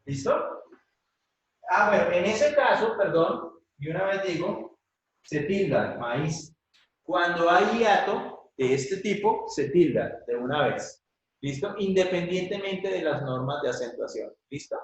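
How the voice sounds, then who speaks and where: Male teacher explaining grammar, higher voice, super echoey room, sounds far from the mic, keeps checking students follow. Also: animated, unhurried. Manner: patient, checks in often with questions to students. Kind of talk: classroom grammar lesson.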